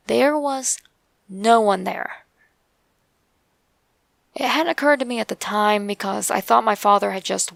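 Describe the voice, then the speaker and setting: A woman with an Appalachian accent narrates a scary first-person tale. Her mid-pitched voice is thick with gravelly creak. She tells it in a measured way with dramatic pauses, recorded very dry. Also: no room sound. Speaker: narrator of true scary stories.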